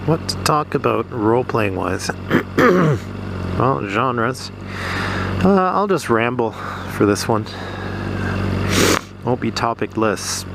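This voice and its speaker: A man's voice: lowish voice, gravelly. A man with a cold and a stuffy nose, rambling casually in a vlog with lots of fillers. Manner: rambling, many fillers and restarts. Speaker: vlogger. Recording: loud background noise.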